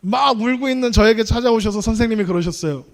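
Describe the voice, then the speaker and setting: Young male youth preacher, high voice, chatty sermon style full of questions to the room. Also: quick pace. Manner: conversational, asks the audience questions.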